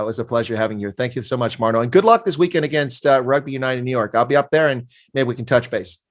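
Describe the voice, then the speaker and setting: A man hosting an interview, chatty and enthusiastic, laughing often as he talks. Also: medium pitch. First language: English. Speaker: interview host. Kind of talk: casual interview chat.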